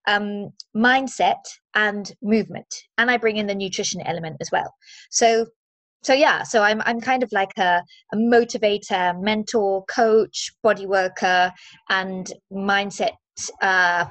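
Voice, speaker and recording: A woman's voice: medium pitch, a bit bright, no echo. A woman in her forties from Zimbabwe, a movement and mindset coach, talking as a guest in an upbeat, chatty way with lots of fillers. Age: 40s. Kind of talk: casual interview chat.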